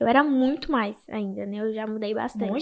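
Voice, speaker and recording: The background stays quiet as a woman talks at a moderate pace. Her pitch varies in an ordinary way. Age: 20s. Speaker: worship singer. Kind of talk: podcast interview. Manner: soft-spoken.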